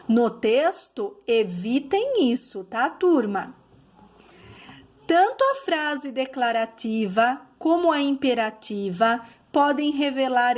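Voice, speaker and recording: A woman teacher giving a video lesson, explaining patiently and checking in with her class as she goes. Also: sits high.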